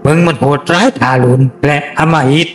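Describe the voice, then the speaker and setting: A man's voice: fairly high pitch, brisk, lightly acted. A man voicing a ruthless gang boss. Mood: menacing. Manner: coarse, snarling threats.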